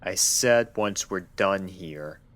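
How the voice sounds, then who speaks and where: A man plays a stern male doctor pony in a dramatic audio story. His voice is low and clinical, and he presses his questions with flat, impatient insistence. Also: slow.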